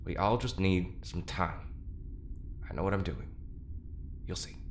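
An actor playing an anguished, stubborn young prisoner in an audio drama, earnest and halting, shielding friends. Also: low voice, a little hiss or hum. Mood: quiet, resolute.

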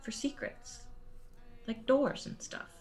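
A woman's voice: high voice, fairly even intonation, takes it slowly, darkish tone, soft background music. A woman player in a casual tabletop game chat, rambling and laughing as she explains.

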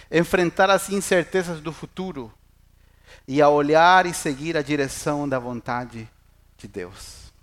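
A middle-aged man preaching in Portuguese, a pastor who jokes with the congregation and asks them questions. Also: fairly high pitch. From Chile. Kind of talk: sermon.

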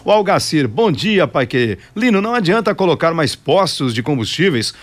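A man's voice: a little high, very animated, moderate pace. A Brazilian man hosting live radio talk and reading out listener messages. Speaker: radio host.

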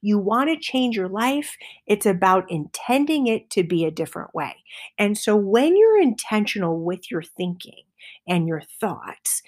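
A middle-aged woman hosting a motivational podcast, enthusiastic, sometimes dropping to a soft whisper for emphasis. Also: medium pitch. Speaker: podcast host.

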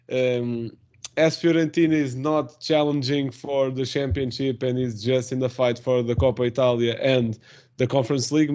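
A man from Portugal hosting a podcast interview, speaking relaxed, non-native English. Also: medium pitch. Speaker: podcast host. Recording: slightly dull, lo-fi sound.

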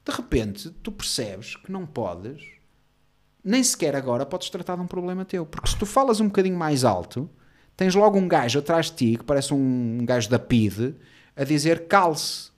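A man's voice: on the high side, expressive, normal speed, darkish tone. A man with a European Portuguese accent telling an indignant story in a casual chat.

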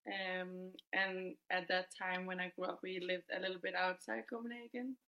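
A woman in her twenties from Denmark, telling her story as a guest in a podcast interview, relaxed and thoughtful. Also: on the low side, normal speed, lo-fi sound. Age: 20s. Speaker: guest footballer.

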